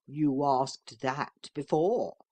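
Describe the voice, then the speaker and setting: Storybook white horse, male, goading and drawn-out, read by a woman. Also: a bass voice, a little mellow, voice pushed down, heavily acted. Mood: scornful. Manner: slow, teasing and goading. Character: bossy talking male white horse, loud then soft.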